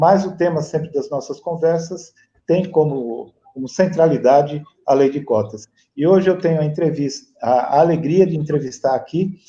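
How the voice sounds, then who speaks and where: A man talks at a fairly slow pace in a fairly high pitch with ordinary pitch variation. His tone is dark and mellow. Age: 60s. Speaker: interviewer. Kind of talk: live interview. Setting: online live stream. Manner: halting.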